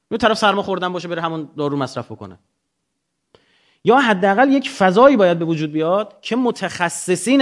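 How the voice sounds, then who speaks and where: Speaking in a high-pitched voice, this Iranian Persian-accented man lectures casually but forcefully. He makes his case with examples and asks rhetorical questions along the way.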